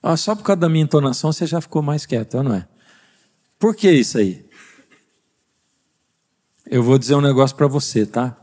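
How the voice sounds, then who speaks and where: A man's voice: mid-range voice, animated, brisk, long pauses, darkish tone. A man with a Brazilian Portuguese accent preaching a sermon as pastor, speaking conversationally and quizzing the congregation with rhetorical questions. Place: church service.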